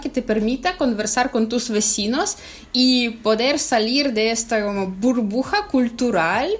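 Here a woman with a Russian accent talks at a very slow pace. Her pitch is fairly high, with ordinary pitch variation. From Russia, Saint Petersburg. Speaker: academic operations manager at a language school. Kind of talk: casual interview. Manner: halting, searching for words.

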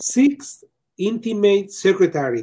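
A man with a high-pitched voice speaks at a very slow pace. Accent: Spanish. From Mexico. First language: Spanish. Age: 60s. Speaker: Freemason. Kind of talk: interview. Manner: halting.

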